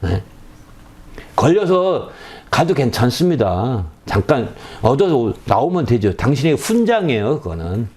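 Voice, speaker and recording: Lively-pitched man preaching a revival sermon. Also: unhurried. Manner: conversational preaching with frequent "예?" check-ins to the congregation; rises to loud high-pitched cries when acting out repentance. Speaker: pastor.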